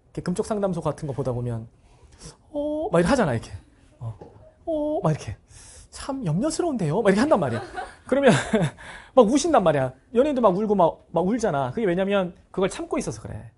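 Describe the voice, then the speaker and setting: A man's voice: sits high, sing-song, very fast, darkish tone, slightly rough. A male cram school teacher giving a blunt, casual motivational talk to his students. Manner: acts out students' voices in short bursts.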